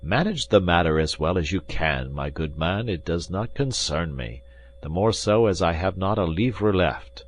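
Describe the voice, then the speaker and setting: A man's voice: low voice, lively intonation, normal speed, a little hiss or hum. A man voicing a proud, hard-drinking musketeer who talks in a commanding, dry and ironic way. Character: world-weary drinking male musketeer, proud and sardonic. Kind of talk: audiobook character reading.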